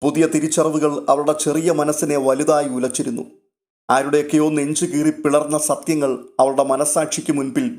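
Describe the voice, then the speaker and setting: Male narrator for a spoken novel, steady and measured. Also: fairly high pitch.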